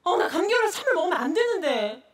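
A woman's voice: extremely high pitch, very animated, fast, full character voice. A woman playing a young city girlfriend who complains in a cutesy, whiny manner in stage sketch comedy. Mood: cutesy complaining. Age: young adult. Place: large theatre stage, indoors. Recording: distant stage mic.

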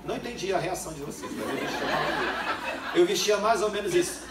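High-voiced man preaching in echoey hall. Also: a little fast, heavy background noise. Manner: humorous storytelling, acts out quoted voices. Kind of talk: sermon with personal story. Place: church hall. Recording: echoey church hall, distant mic.

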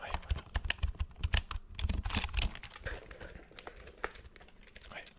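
A man's voice: rapid-fire, noisy background, natural voice. A young man playing a withdrawn, cynical young hacker in a hesitant, murmured ASMR roleplay. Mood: withdrawn, awkward. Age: young adult. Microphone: close-up mic, seated at desk.

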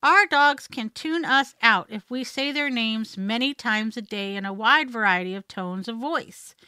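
Reading a script of tips, this woman podcast host instructs listeners and demonstrates commands vocally, speaking close to a studio mic. Her voice is on the high side, unhurried, bright and forceful, with a clear, resonant tone and no echo.

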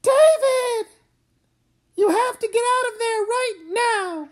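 Woman playing a firm, worried mother, high voice. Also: slow. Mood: panicked. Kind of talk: dramatic comic read-aloud.

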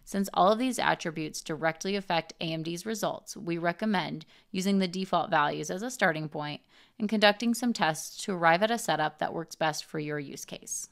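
Tutorial presenter: young woman, lowish voice with vocal fry, measured scripted technical read.

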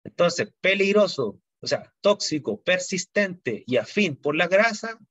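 University chemistry lecturer, muffled dry sound. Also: male voice, high voice, very animated, a little slow, a bit bright, husky, no room sound. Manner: explanatory, frequent "¿no es cierto?" and "¿ya?" check-ins.

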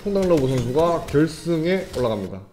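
A young man giving live fighting game commentary, chatty and excitable, joking with viewers between quick reactions to the action. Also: on the high side, faint music behind. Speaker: esports commentator.

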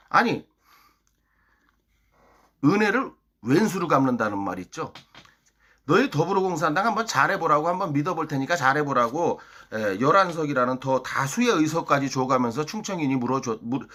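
A man's voice: fairly high pitch, lively intonation, normal speed, pushed and bright. A man from Chungcheong, South Korea, delivering a heated political monologue as a YouTuber, hectoring his listeners with rhetorical questions.

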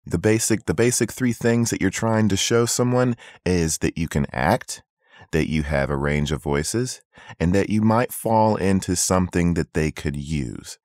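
A man's voice: sits low, a little slow, a little mellow, no echo, studio quality. A man hosting a casual tips video for beginners, emphatic and repeating his points for stress. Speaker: voice acting tips host.

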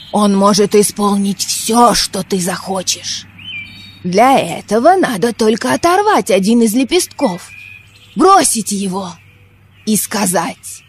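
A woman playing a kindly old woman in a children's fairy tale, husky, measured and mysterious. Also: medium pitch, natural voice. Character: kindly old woman with a magic flower garden.

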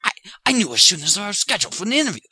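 A man performing a self-important male crackpot inventor in an audio comedy. His voice is sharp, a little high and very lively, pushing his pitch with defensive zeal in a close, dry sound. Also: racing, slightly rough, dry recording, exaggerated voice. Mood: defensive, indignant. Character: earnest, defensive crackpot inventor and ice cream truck driver. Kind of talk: sketch comedy audio drama.

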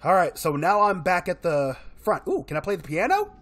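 A man in his thirties giving casual, expressive commentary as he plays and reads aloud from a video game. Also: sits high, moderate pace. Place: indoor room, solo gaming setup.

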